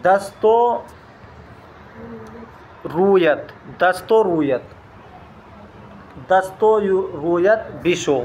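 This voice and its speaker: Slow, high-voiced man teaching phrases. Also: a little mellow, a little hiss or hum. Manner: slow, repeats each phrase and translates it word by word. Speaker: language teacher. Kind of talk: recorded language lesson.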